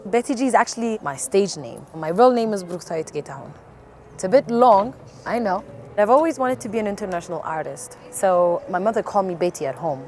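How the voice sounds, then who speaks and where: A woman's voice: mid-range voice, lively intonation, fairly quick, a little mellow, slight background noise. A woman singer from Ethiopia, speaking earnestly in a documentary interview.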